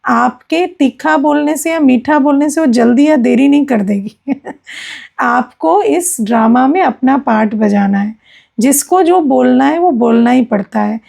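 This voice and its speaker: A woman spiritual teacher giving a gentle explanatory discourse, often checking in with her listeners. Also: high-pitched, animated, measured pace, creaky.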